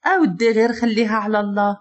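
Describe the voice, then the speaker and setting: A woman's voice: mid-range voice, quick pace, dull audio, close to an everyday voice. A woman with a Moroccan accent voicing a cool, proud young man who speaks dryly and seriously.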